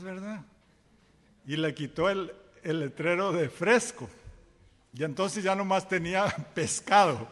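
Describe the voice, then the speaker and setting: A man's voice: sits high, fairly bright tone, big-room sound. A man preaching a sermon, telling a folksy parable and acting out the dialogue. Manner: folksy storytelling, acts out dialogue, chuckles. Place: church.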